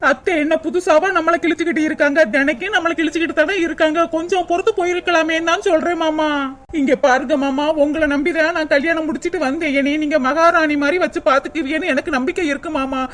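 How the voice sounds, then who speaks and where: A woman's voice: high voice, steady tone, quick pace, fairly bright tone. A woman voicing a loyal, comforting young wife. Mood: worried. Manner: soothing, pleading. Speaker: cartoon wife.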